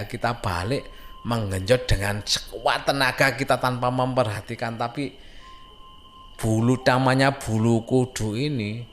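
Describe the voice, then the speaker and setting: A man with an East Javanese Indonesian accent narrates a ghost story over some background noise. His voice sits at a medium pitch. He talks informally and suspensefully, often repeating phrases to underline them. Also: fairly bright tone. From Indonesia, a Javanese-speaking village.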